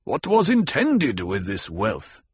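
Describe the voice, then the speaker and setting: A man voicing a grave desert tribal leader, speaking low, slow and measured. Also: wildly swooping pitch, a little hiss or hum.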